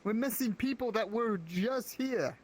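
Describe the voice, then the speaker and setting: A man's voice: high-pitched, measured pace, slight background noise. A man playing a distrustful, indignant town survivor in an improvised fantasy roleplay, theatrical and accusatory.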